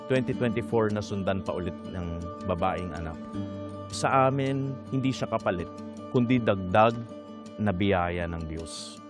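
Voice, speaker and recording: Low-voiced Filipino man over guitar music. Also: expressive, measured pace, pauses often. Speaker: father giving testimony. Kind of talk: personal faith testimony.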